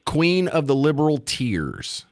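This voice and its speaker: A man hosting a call-in talk radio show, wry and animated as he takes callers. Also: a little high, unhurried. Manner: wry, animated, takes calls and argues points.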